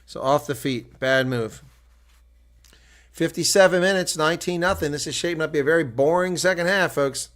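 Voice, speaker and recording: A man's voice: on the high side, brisk, a bit bright. American man calling rugby live. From United States. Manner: chatty, talks to viewers while calling play. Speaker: live reaction commentator. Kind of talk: solo live rugby commentary.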